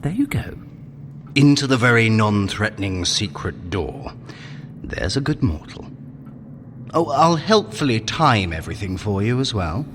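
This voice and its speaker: Sly trickster god, pompous, mock-innocent, wildly animated pitch, long hall reverb, audio drama. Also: male voice, measured pace, background noise. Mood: sly, fussy. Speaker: guide of a training adventure.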